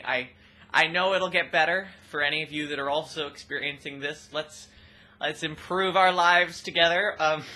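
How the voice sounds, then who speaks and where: A young trans woman with a rather deep voice, talking expressively and loudly in a casual personal vlog. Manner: expressive, loud, laughs often. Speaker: vlogger.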